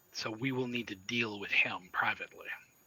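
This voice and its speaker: A raspy, put-on character voice from a man, medium in pitch and fairly quick in pace. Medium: actual play.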